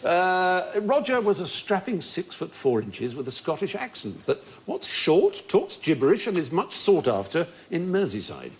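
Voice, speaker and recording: A man's voice: on the high side, sing-song, moderate pace, hardly any pauses. A man hosting a comedy quiz show, telling anecdotes playfully and often laughing. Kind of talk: lively panel show banter. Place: TV studio with live audience.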